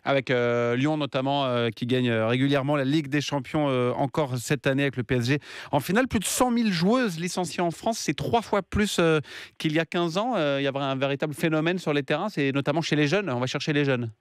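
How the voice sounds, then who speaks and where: A man interviewing a guest on the radio, setting up each question with measured remarks. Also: fairly high pitch, smooth, no room sound, studio quality.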